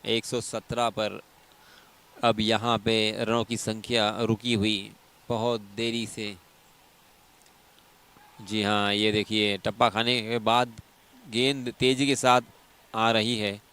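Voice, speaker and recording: A man's voice: on the low side, flat delivery, slow pace, pauses often, pushed and bright, clear, resonant tone. A man with an Indian accent gives live ball-by-ball cricket commentary, explaining play and repeating key phrases for emphasis.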